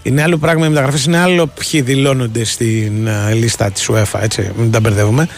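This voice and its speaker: Man, sports radio co-host, emphatic, insistent, mid pitch, studio sound. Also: fairly even intonation, soft background music. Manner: emphatic, insistent, repeats points. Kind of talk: casual radio sports chat.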